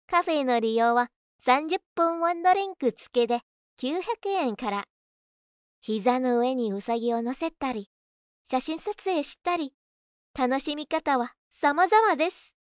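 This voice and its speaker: A woman with a fairly high voice delivers scripted voice-over narration. The sound is dry, recorded on a studio microphone with very little room around it. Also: animated, unhurried, no room sound. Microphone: studio condenser microphone on boom arm.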